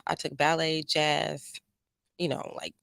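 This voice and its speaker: Bright, lively woman telling her story. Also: deep voice, slow pace, creaky, dry recording. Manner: animated storytelling, preachy motivational tone. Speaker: podcast guest, dance fitness instructor. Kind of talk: casual podcast chat.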